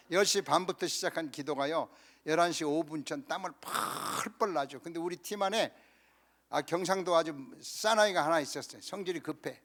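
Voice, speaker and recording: A Korean pastor in his fifties preaching a lively, humorous story sermon at a church camp, acting out the people in his story. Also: high-pitched. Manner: animated storytelling, acting out quoted voices with laughter.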